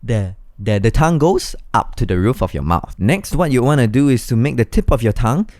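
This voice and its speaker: A man's voice: medium pitch, expressive, fairly quick, a little mellow, dry recording, studio quality. A man teaching beatbox step by step in an encouraging, instructional way. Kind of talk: step-by-step tutorial.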